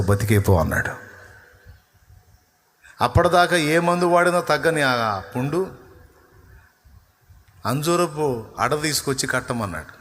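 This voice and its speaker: A man's voice: medium pitch, a bit bright. A man preaching a sermon, retelling a scripture story and acting out its dialogue with shifting intensity. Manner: storytelling, acts out quoted dialogue with rising and falling intensity. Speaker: pastor. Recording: long hall reverb.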